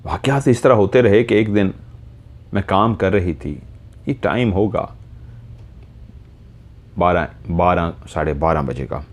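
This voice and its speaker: A man narrating a horror story in the first person, slow and measured, retelling events step by step. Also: low voice, animated.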